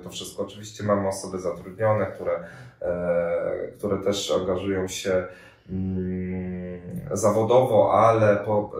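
Guy in his 30s, low voice, lots of ums, talking about volunteering, echoey room, mic kinda far off. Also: darkish tone. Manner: hesitant, many fillers and restarts. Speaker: volunteer coordinator, guest. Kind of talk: conversational interview answers. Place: room with armchairs and radiator, indoors.

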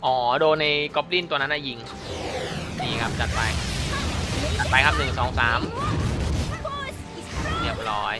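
A man's voice: medium pitch, a little slow, long pauses, loud music behind the voice. A man giving casual, chatty commentary while playing a mobile game, muttering to himself as he goes. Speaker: mobile game channel host.

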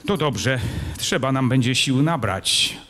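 An actor reading aloud, playing a proud, threatening nobleman prince who speaks slowly and darkly. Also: expressive, a bit bright. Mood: mocking. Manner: slow, low and threatening. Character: proud menacing nobleman prince, older man.

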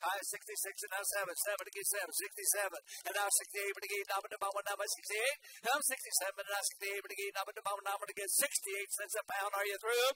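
An older male auctioneer speaks in a high, sharp voice. His delivery is folksy, repetitive and rhythmic. Arena noise sits clearly behind him. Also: fairly even intonation, fast, hardly any pauses. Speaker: livestock auctioneer. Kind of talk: auctioneer chant and announcements. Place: indoor livestock show arena. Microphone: microphone at auction stand.

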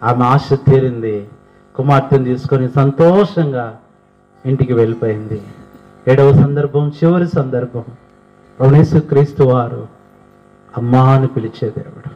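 A man's voice: medium pitch, measured pace, long pauses. A man preaching a sermon fervently, firing rhetorical questions at his listeners and building to emphatic peaks. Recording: dull lo-fi recording.

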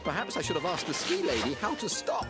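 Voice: mid-range voice, very animated, fast talker, lightly acted. An actor voicing a naive, earnest, courteous young bear in a children's cartoon. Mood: mild, polite. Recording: loud music behind the voice.

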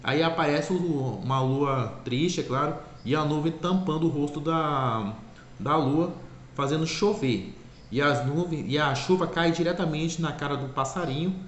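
Man, rambling casual retelling, fairly high voice, roomy echo, faint background hiss. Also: normal speed. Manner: rambling, self-correcting, repeats "é claro". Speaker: narrator of a cartoon plot. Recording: echoey room, faint ambient noise.

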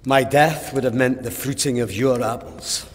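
An actor playing a stern, devout Christian police sergeant in an audio drama, stiff, earnest and easily indignant. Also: male voice, mid-range voice, fairly even intonation, moderate pace, long reverb tail, lightly acted.

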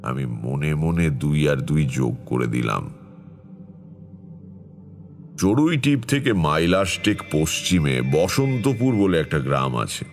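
An actor playing a brooding tantrik storyteller, narrating his eerie past in a measured, reflective horror audio drama. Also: rumbling low, sing-song, faint music behind, heavily acted.

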